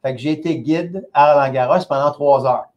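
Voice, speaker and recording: A man's voice: a little high, moderate pace, lo-fi sound. A man in his fifties with a Québécois French accent, telling anecdotes as a guest in a casual interview. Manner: lively storyteller, conversational. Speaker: company president, interview guest.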